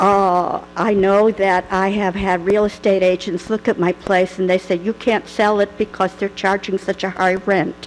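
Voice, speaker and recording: A woman's medium-pitched, monotone, flat voice at a fairly slow pace with hardly any pauses, music in the background. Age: 70s. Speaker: public commenter at city council. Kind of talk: public comment at council meeting.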